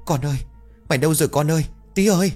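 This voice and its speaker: Man voicing a grieving young mother, high shrill wailing cries, faint music behind. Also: racing, darkish tone, natural voice.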